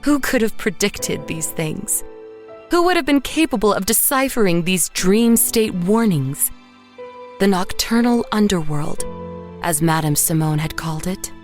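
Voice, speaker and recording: An actress playing a haunted woman painter who narrates horror in a measured, literary way. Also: mid-range voice, expressive, soft background music, lightly acted. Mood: grim, resigned. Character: haunted woman painter narrating her own murder, dazed and grim. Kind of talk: first-person horror audio drama narration.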